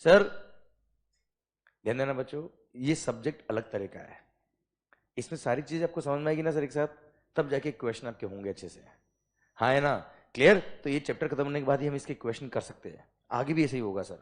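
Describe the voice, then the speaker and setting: A middle-aged man teaching a classroom of students, lively and constantly checking that they follow. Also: mid-range voice, fairly quick, pauses often. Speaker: tax lecturer. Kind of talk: classroom lecture in Hindi-English mix.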